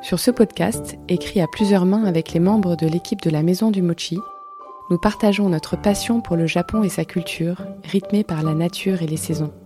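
A woman hosting a podcast, reading her introduction in a calm, measured way and then interviewing her guest. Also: lowish voice. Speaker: podcast host. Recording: faint music behind.

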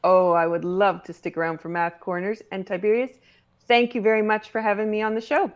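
A woman speaks as a guest in a casual interview. Her voice sits at a middling pitch for a woman. She is playful and encouraging, as if talking with a youngster. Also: level tone, brisk, dull audio. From Cape Breton, Nova Scotia, Canada. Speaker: podcast guest.

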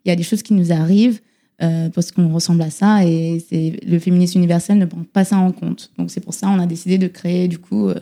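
Woman guest, low pitch, warm mellow tone, earnest, halting explanations. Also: fairly even intonation. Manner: earnest, explanatory, with frequent fillers. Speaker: podcast guest. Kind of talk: casual discussion.

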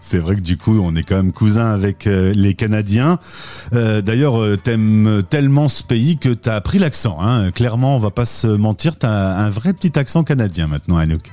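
A man hosting an interview show, lively and upbeat, leading his guest through her story with questions. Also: on the low side, normal speed. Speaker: podcast host.

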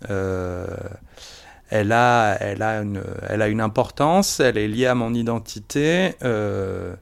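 Gravelly man searching for his words. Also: on the low side, measured pace. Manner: searching, hesitant, many restarts. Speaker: interviewee. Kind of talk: personal testimony.

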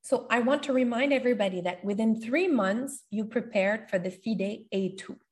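A woman's voice: on the high side, normal speed, a little mellow. A woman from Canada with a Quebec French accent, hosting a casual interview with effusive enthusiasm over a video call. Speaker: podcast host and language school representative.

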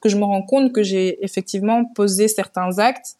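A woman's voice: medium pitch, moderate pace, warm tone. Reflective young woman, podcast guest. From Belgium. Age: young adult. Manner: reflective, searching for words. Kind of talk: casual podcast conversation.

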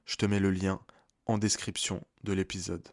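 A man hosts a coaching podcast, cheering on his guest and listeners with steady encouragement. His voice is very deep, and he speaks in an even, supportive way that affirms what he hears. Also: moderate pace. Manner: encouraging and affirming, many back-channel hums. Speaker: relationship coach and podcast host. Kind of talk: podcast interview and outro.

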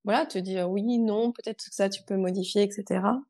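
A woman with a very mellow, soft-edged voice of average pitch. She hosts a conversational podcast interview, feeling her way into each question. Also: steady tone, fairly quick, creaky. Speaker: podcast host.

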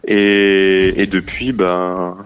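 A man's voice: deep voice, level tone, drawn-out words, smooth. A man in his thirties from Normandy, a winery manager speaking over the phone and hesitating with many fillers and restarts. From Normandy, France. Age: 30s. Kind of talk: phone interview. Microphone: telephone. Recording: muffled phone line.

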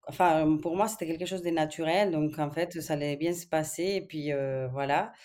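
Low-voiced woman, hesitant. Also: steady tone, fairly quick, darkish tone. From Spain. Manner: hesitant, many filler sounds and restarts. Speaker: guest. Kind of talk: casual conversational interview.

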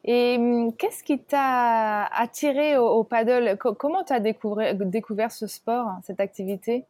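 A woman's voice: fairly high pitch, measured pace, darkish tone, no room sound. A woman interviewing a guest casually, asking friendly, slightly hesitant questions.

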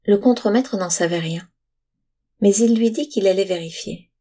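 A woman reading a storybook aloud with calm, even narration. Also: mid-range voice, normal speed.

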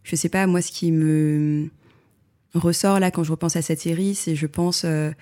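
A woman photographer answering interview questions in a reflective way, pausing often with fillers and restarting her sentences. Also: low voice, fairly even intonation, warm tone. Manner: hesitant, many fillers and restarts.

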